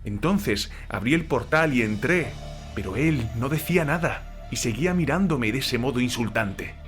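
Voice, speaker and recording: A man's voice: mid-range voice, lively intonation, moderate pace, fairly bright tone, faint music behind, lightly acted. A man playing a young ex-soldier servant in a dramatized horror audiobook, frightened yet defensive and deferential to his master. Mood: indignant, disgusted. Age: young adult. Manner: deferential, repeatedly addressing his master as sir.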